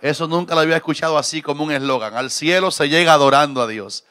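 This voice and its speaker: A man's voice: on the high side, fast, bright, forceful tone, clean tone, dry recording. A middle-aged man from Cuba, a visiting pastor preaching a jovial sermon in church on a handheld mic. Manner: jovial, preacherly, joking with congregation.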